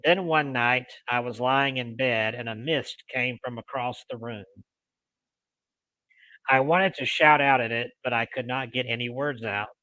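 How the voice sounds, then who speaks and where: Male paranormal show host, deliberate storytelling read with casual touches, forward bright tone, dry recording. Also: mid-range voice, no echo, poor audio. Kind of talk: reading ghost stories aloud with casual asides.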